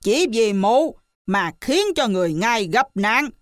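A woman voicing a fierce monkey pilgrim who loudly scolds a lying old woman. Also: on the high side, expressive, measured pace, no echo, clean studio sound. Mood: angry scolding. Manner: loud and scolding.

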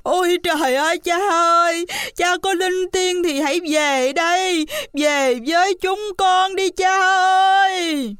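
Grieving sons cry out for their father in long, high, sobbing wails, as a woman puts them on. The voice is slow and pitched well up. It sounds close and dry. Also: fairly even intonation, fairly bright tone, dry recording, full character voice. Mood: wailing. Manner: high drawn-out wailing. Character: grieving sons of a dead squire, wailing.

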